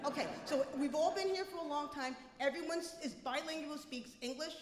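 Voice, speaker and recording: A woman from New City, telling a comic personal story live, wry and animated. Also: high voice, fairly quick. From New York City. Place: live venue, reverberant room. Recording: echoey hall reverb.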